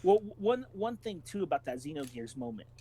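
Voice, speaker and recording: A man with a distinctly high-pitched voice talks as a podcast co-host. He lays out his opinions in an analytical but casual way, building them up in stop-and-start phrases. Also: very animated, a little fast, dark tone, husky.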